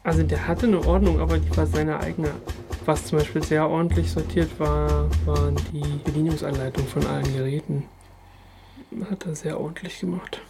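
A woman's voice: sits low, steady tone, normal speed, music in the background. A woman recalling things in unscripted, conversational speech.

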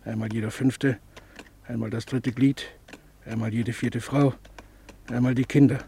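An actor playing a broken, gentle camp survivor in a radio drama, speaking haltingly in a rough voice. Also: male voice, mid-range voice, fairly even intonation, exaggerated voice. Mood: bitter, haunted. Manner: hesitant, halting, faltering.

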